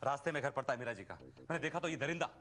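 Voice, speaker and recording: An actor playing an excitable, suspicious office worker who dramatically accuses his colleague, in a TV sitcom. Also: mid-range voice, racing, close to an everyday voice. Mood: insistent. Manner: theatrical, indignant, repeats himself. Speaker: sitcom character. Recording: TV sitcom audio with background music.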